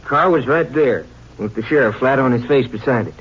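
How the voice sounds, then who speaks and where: A man's voice: medium pitch, fairly quick, breathy edge, natural voice. An actor playing a defensive, skeptical lawman with a blunt, challenging manner in a 1950s radio western. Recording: muffled 1950s radio recording.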